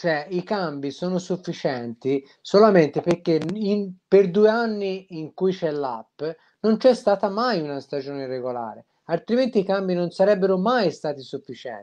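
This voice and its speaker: Against a quiet background, a man talks at a fairly slow pace in a high pitch, his dark, mellow tone carried by lively intonation. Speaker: co-host. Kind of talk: casual chat, live reaction. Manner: casual, opinionated, laughing. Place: home room. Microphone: video call.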